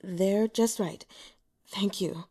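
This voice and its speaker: A woman's voice: medium pitch, fairly even intonation, takes it slowly, mellow, husky. Woman voicing a frail, cool-tempered abbot. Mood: dry.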